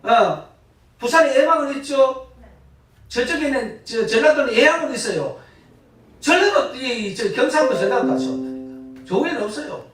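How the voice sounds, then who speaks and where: A retired pastor, preaching a lively sermon full of laughing asides and sudden loud bursts. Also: male voice, very high-pitched, normal speed, faint music behind. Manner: animated, laughing storytelling with sudden loud rises. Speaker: guest pastor. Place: church sanctuary. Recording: echoey church from far off.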